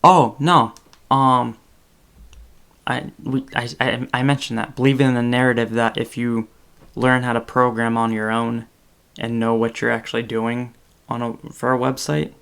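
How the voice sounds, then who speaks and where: A man's voice: mid-range voice, flat delivery, a little slow, vocal fry, fairly bright tone, clean tone. A man in his twenties, a podcast host talking in casual chat on a video call, rambling with many fillers and self-corrections. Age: 20s. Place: small room indoors.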